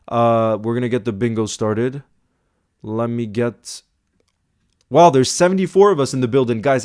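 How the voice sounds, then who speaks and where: Hosting a casual football live stream, a man with a medium-pitched, slightly mellow voice answers viewer comments. He chats and thinks aloud, making small restarts as he goes.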